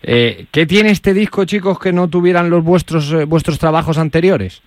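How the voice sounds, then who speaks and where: A man's voice: a little high, normal speed, a little mellow, no echo. A man from Granada, a radio host asking questions in a hesitant way with many fillers. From Granada, Spain. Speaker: radio interviewer. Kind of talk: radio interview.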